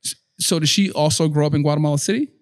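A man's voice: fairly high pitch, racing. A man hosting a podcast, asking questions in a casual, friendly way and rephrasing what his guest says. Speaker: podcast host. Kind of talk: casual interview chat.

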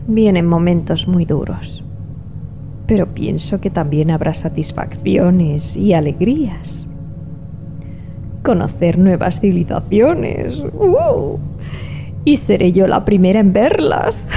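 An actress playing a warm, loyal, adventurous woman in an audio drama, soothing and affectionate. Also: lowish voice, expressive, slow pace, vocal fry, music in the background, full character voice. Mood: wistful, excited.

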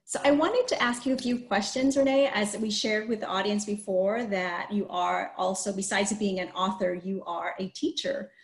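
A middle-aged woman hosts a read-aloud and author interview over a video call from a small indoor room. Her mid-range voice moves at a moderate pace with hardly any pauses. Picked up by a computer mic, the audio sounds roomy and echoey.

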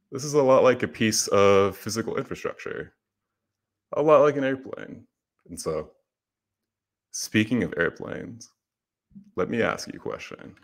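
A young man from Puerto Rico giving a prepared conference presentation, earnest and steady, speaking into a headset in a small room. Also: low-pitched. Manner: earnest, steady explanatory delivery.

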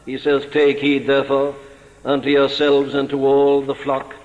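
An older man preaching a sermon in a church, earnest and deliberate, slowing down to stress key words. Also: medium pitch, completely flat delivery. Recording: dull archival sermon recording in a large hall.

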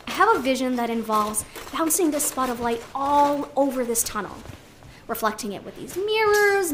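A woman's voice: sits high, noisy background. A woman playing a chatty, wry, caring artist who narrates conversationally in an audio drama.

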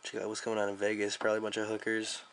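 A man's voice: on the low side, completely flat delivery, very fast, a bit bright, slight background noise. A young American man giving a casual, slangy, joking app demo as a video reviewer.

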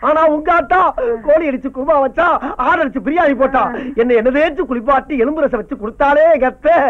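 A shrill ranting comic farmer. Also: male voice. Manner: loud comic wailing and ranting. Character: grumbling greedy comic farmer, man, middle-aged. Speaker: comic villager husband. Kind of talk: film comedy dialogue. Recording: dull lo-fi film soundtrack.

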